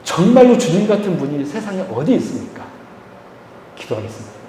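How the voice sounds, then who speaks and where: Man pastor, high mellow voice, emphatic sermon, echoey church hall with faint ambience. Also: sing-song, slight background noise. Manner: emphatic preaching with slow stressed phrases, leading the congregation.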